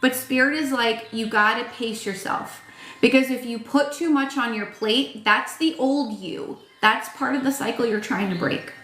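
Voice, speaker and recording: A high-pitched woman in her thirties gives a casual tarot reading at a moderate pace with few pauses, her fairly bright voice tired and starting to crack. She's frank and chatty, swears, and says "like" and "um" constantly. The recording is reverberant.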